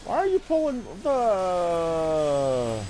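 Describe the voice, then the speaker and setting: A man's voice: sits high, wildly swooping pitch, drawn-out words, a little mellow, a little hiss or hum. A man giving casual live commentary while streaming a game, with a wry, mildly profane way of talking.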